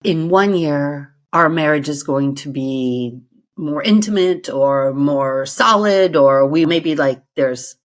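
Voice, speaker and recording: A woman's voice: deep voice, slow pace. A woman podcast host whose first language is French, asking curious follow-up questions in a casual chat.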